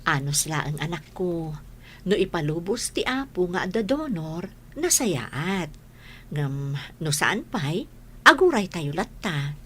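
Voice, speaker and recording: A woman's voice: lowish voice, big pitch swings, measured pace, fairly bright tone, a little hiss or hum. A woman voicing a loving mother in an audio drama, speaking patiently and tenderly.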